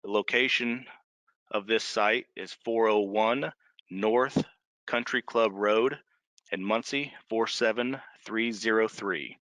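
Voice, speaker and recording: An American man reading a formal scripted public briefing on a conference call, measured and carefully enunciating numbers item by item. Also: fairly low pitch, fairly bright tone, dry recording.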